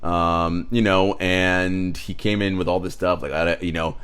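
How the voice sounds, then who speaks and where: A man's voice: low-pitched, flat delivery, a little slow, a bit bright, clear, resonant tone. A man co-hosting a sports podcast and reporting on a basketball team, chatting casually over a remote virtual recording with frequent affirming murmurs and easy laughs.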